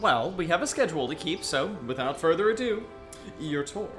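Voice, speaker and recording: Audio drama tour guide, young man, mock-grand and showy, higher register, faint music bed. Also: big pitch swings, fairly quick, a bit bright. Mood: playful, showy.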